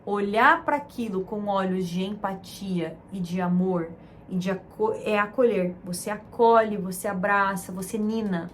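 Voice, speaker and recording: A woman from Brazil gives a gentle motivational talk. Her voice is soft and soothing, she lingers on repeated words, and a faint noise sits under the recording. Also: medium pitch, unhurried. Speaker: self-help channel host.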